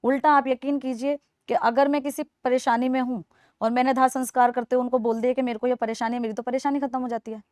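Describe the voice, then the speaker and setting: A young woman from Delhi speaks earnestly as a podcast guest, pressing her points and coming back to them again and again. Her voice sits fairly high, and the recording is close and dry. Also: little pitch movement, fast, darkish tone, dry recording. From Delhi, India. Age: 20s. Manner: earnest, persuasive, repeats points for emphasis. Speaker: interview guest. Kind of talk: earnest podcast interview answers.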